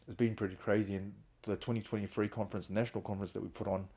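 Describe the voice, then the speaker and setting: Casting: middle-aged New man, earnest guest, flat low delivery. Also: very fast, breathy edge. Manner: earnest, open, speaks of hard times with emotion. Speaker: guest, founder of a reintegration trust. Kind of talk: candid personal storytelling.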